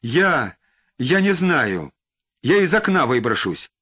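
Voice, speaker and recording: A man's voice: a little high, big pitch swings, slow pace, sharp tone, husky, muffled recording, heavily acted. A man reading an audiobook, voicing a tearful, panicky middle-aged male suspect who talks in an agitated, sniveling way.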